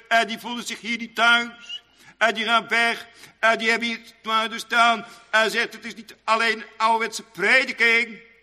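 A man preaching a sermon in old-fashioned churchly phrasing, rambling, repeating himself and pausing with many fillers. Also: very high voice, sharp tone, big-room sound.

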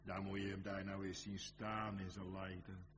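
A man preaching a sermon with fervour, swinging from hushed, drawn-out phrases to crying out, and repeating phrases for weight. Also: deep voice, flat delivery, noisy background.

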